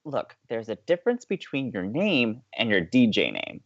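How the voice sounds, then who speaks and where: Perky young American man, quirky student DJ, animated mid-pitched voice, teasing, slightly dull recording. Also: moderate pace. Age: young adult. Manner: upbeat, playful, teasing. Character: perky, eager, quirky young male college radio co-host. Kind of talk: audio drama dialogue as banter.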